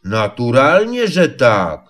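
A man voicing a gloomy, sulky old donkey in a storybook reading, with a slow, mournful drawl. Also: medium pitch, wildly swooping pitch, fairly bright tone, exaggerated voice.

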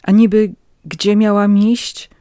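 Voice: mid-range voice, little pitch movement, slow pace, warm tone, smooth, dry recording, clean studio sound, voice pushed up, natural voice. A reader voicing an exhausted young pregnant peasant woman who pleads timidly, in an audiobook reading. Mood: pleading.

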